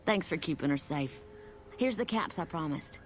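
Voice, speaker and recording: A woman's voice: low voice, lively intonation, moderate pace, slight background noise. A woman voicing a friendly, frank female character in a video game, chatty and direct.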